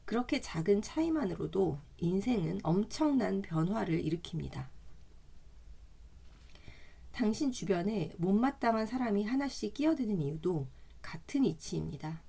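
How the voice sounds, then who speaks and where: A woman reading a self-help book aloud in a calm, measured way, adding chatty side comments, her throat slightly hoarse today. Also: medium pitch.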